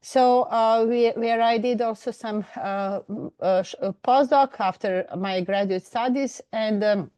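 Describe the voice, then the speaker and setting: Serbian-accented woman, halting academic talk. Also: a little high, dark tone, clear, resonant tone, no echo. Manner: halting, many fillers and restarts. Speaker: professor. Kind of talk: academic webinar presentation.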